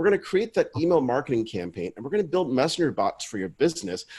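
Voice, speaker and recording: A man speaks with an American accent and vocal fry. His pitch swings very widely. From Chicago. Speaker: digital marketing expert. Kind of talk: webinar presentation. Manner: fast.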